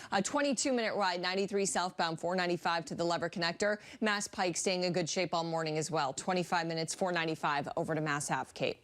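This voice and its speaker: A female traffic reporter with a fairly low voice on a morning news broadcast. She runs through road conditions and drive times in a brisk, matter-of-fact way.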